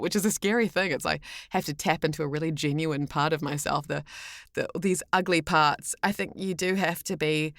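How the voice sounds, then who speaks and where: A woman's voice: low voice, gravelly, no echo. A woman chatting candidly as a voice actor guest in an interview.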